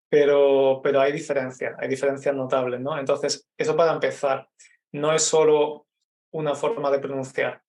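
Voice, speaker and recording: A Spanish teacher from Málaga with an Andalusian accent, explaining his dialect in an interview, measured and often checking in with "¿no?". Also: mid-range voice, flat delivery, darkish tone. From Málaga, Spain. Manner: explanatory, measured, frequent "¿no?" tags.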